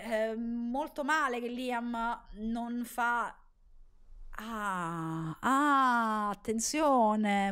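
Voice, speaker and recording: A woman's voice: high voice, fairly bright tone. A young woman chatting casually with her chat while playing a game, jokey and prone to startled shrieks. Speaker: streamer. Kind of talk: casual live gameplay chat.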